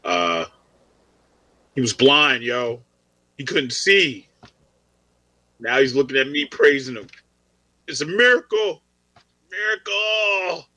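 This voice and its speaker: A man putting on an excitable, slangy male talent-show judge during an improv show over a video call. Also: mid-range voice, slow pace, pauses often, no echo, pitched above the performer's own voice, exaggerated voice. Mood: hyped. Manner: excitable slangy hype, exclaiming.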